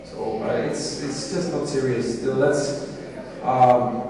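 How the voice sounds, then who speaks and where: A man on a panel, speaking haltingly with frequent restarts and an even, flat delivery. He sounds distant from the mic in a big reverberant hall, with an audience murmuring around him. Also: mid-range voice, a crowd in the background. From Georgia. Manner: hesitant, many restarts and fillers. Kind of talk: panel discussion answer. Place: large conference hall.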